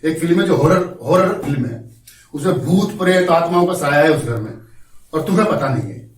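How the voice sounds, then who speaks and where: A man teaching an acting class, explaining slowly, coaxing his students and acting out examples himself. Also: a little high, animated. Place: acting class room, indoors. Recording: roomy echo from far off, faint noise.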